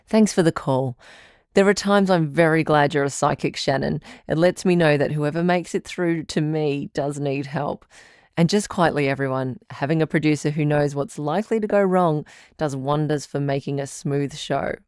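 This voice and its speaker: A woman playing a calm, caring radio advice doctor who hosts a call-in show in a measured, reassuring way. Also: low-pitched, smooth, no room sound, studio quality, natural voice. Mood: warm, amused.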